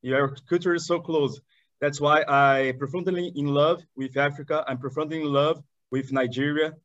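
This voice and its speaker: A man from southern Brazil with a Brazilian Portuguese accent, a guest on an interview podcast. He speaks with enthusiasm, in halting English full of restarts. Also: on the high side, steady tone, a bit bright, dry recording, dull audio. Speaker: guest, chamber of commerce director.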